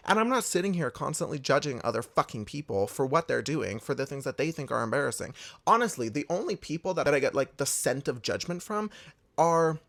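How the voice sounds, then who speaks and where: A man's voice: fairly quick, gravelly. A young man giving a candid, emphatic pep talk, swearing freely and confiding in his viewers. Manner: emphatic and expressive, swears freely, big swoops in pitch. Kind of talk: candid motivational monologue.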